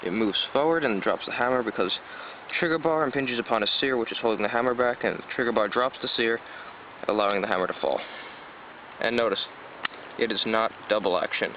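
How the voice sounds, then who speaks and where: Low-voiced man reviewing over loud traffic noise. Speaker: amateur product reviewer. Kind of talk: casual hands-on review to camera. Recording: dull lo-fi sound, loud road noise. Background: traffic, passing buses and cars.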